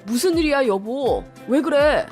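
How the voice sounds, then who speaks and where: A woman's voice: high-pitched, animated, unhurried, faint music behind, voice pushed up. A woman voicing a defensive alarmed husband. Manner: loud, alarmed. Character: defensive husband siding with his mother.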